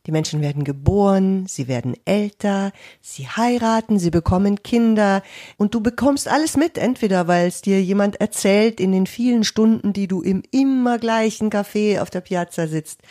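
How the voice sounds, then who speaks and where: A woman's voice: mid-range voice, moderate pace, mellow. A woman in her fifties in casual conversation as a podcast co-host, reflective and searching for words.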